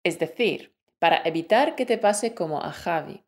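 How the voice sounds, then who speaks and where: Clear-spoken woman teaching podcast lesson. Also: fairly low pitch, lively intonation, moderate pace, a little mellow. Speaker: co-host of a Spanish-learning podcast.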